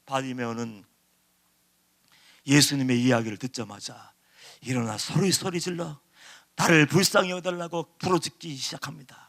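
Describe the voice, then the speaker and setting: A man preaching a sermon as pastor, impassioned and dramatic, acting out shouted pleas. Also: medium pitch, steady tone, normal speed, long pauses.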